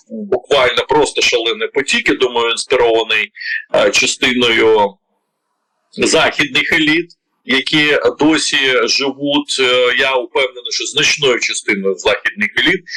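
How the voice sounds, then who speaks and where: A man with a Ukrainian accent delivering heated political commentary. His voice is bright and forceful, and he keeps firing indignant rhetorical questions between hesitant filler sounds. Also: medium pitch, low-quality recording.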